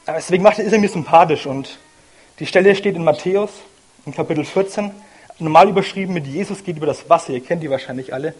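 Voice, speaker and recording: A man's voice: a little high, fast talker, breathy edge. A young man giving an informal, personal sermon, earnest and thinking aloud as he goes. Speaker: lay preacher.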